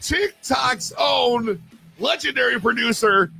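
Hoarse, high-voiced male podcast host, hyped and slangy, faint music behind. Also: slow pace, pushed and bright. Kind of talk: energetic show sign-off with shout-outs.

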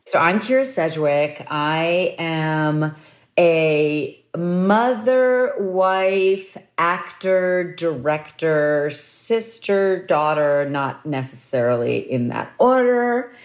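A woman's voice: deep voice, expressive, very slow. A woman hosting a casual interview, asking questions and sharing candid personal stories. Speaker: podcast host.

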